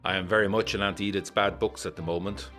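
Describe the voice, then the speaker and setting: Very deep-voiced, brooding 1920s gentleman. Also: fairly even intonation, faint music behind. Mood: worried, brooding. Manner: formal, period diction, measured with dramatic emphasis. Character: indignant, brooding 1920s gentleman, worried and old-fashioned. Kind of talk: gothic audio drama letter narration.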